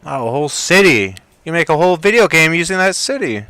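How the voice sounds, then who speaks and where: A man giving casual commentary while browsing, thinking aloud in an excitable way and often trailing off quietly. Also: a little high, brisk, no echo. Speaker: hobbyist game developer. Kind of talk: casual screen-recording commentary.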